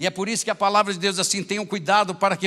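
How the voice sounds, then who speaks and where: A man speaks with a high pitch in a raised, projected voice. His tone is bright and sharp. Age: 60s. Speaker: pastor. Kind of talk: sermon.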